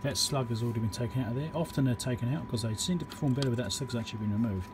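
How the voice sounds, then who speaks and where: Racing along in a mid-range voice, a man demonstrates an electronics repair at an indoor workbench, plainly narrating every step as he goes. He hosts the video, captured by a handheld camera or phone microphone with loud hiss and background noise.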